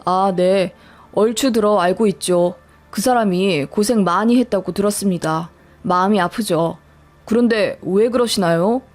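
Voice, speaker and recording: A woman voicing a dignified older man who speaks firmly and politely, lower than her own voice. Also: a little mellow, faint music behind, lightly acted. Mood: sympathetic. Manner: firm, measured and polite. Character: calm dignified older man, future stepfather.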